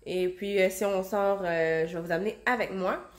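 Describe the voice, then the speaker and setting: A woman's voice: mid-range voice, steady tone, moderate pace. A woman in her thirties with a Québécois French accent, chatting casually to her phone at home. She has a cold, so she sounds nasal and stuffed up, and she rambles with lots of fillers. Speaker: vlogger, stay-at-home mom. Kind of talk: casual chat to camera. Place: home, indoors. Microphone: handheld phone.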